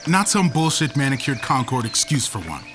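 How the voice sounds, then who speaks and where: An actor playing an excitable, homesick man returning to his home planet in an audio drama, exuberant and irreverent. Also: medium pitch, a little fast, music in the background, natural voice. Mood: excited.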